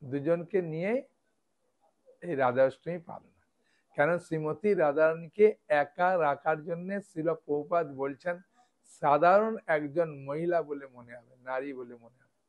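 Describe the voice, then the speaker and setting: A man's voice: fairly high pitch, normal speed. A man, a monk preacher, giving a devotional lecture and explaining step by step, often checking with his listeners.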